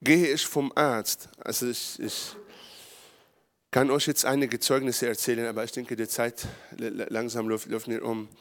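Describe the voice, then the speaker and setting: A man from Israel, a pastor preaching a charismatic sermon in German with grammar slips, building to loud emphatic peaks. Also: mid-range voice, flat delivery, normal speed.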